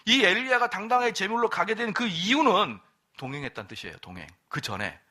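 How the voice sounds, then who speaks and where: A middle-aged man preaching at an evening church service with a bright, ringing voice that pitches a little high. His delivery swings widely in pitch as he quizzes the congregation and slips in quick asides. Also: big pitch swings. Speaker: pastor. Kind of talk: sermon.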